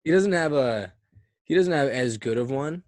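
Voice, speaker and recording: A man's voice: medium pitch, lively intonation, normal speed, darkish tone, no room sound. Dry-voiced joking male podcast host. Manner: joking, profane, rambling. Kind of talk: casual podcast chat.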